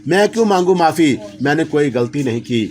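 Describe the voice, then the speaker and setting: A man's voice: mid-range voice, expressive, moderate pace, darkish tone, a little hiss or hum, close to an everyday voice. A man voicing a stubborn schoolboy who protests defiantly and loses his temper easily.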